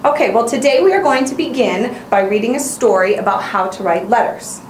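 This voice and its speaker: A woman's voice: on the high side, a little fast. Woman teacher in a roomy, echoing space. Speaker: English teacher. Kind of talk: instructional narration and classroom teaching. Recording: roomy echo, faint background noise.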